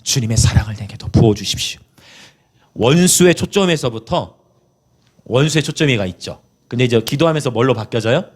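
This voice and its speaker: A man's voice: lively intonation, a little fast, slightly rough. Impassioned Korean male pastor preaching. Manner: impassioned, swings from hushed whispers to high cries; acts out prayers in a pleading voice. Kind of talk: sermon.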